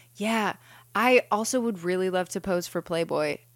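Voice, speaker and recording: Heard on a very clean recording with a silent background, a woman with a fairly low pitch speaks at a moderate pace with ordinary pitch variation. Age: 30s. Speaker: comedy writer and podcast host. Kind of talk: casual chat.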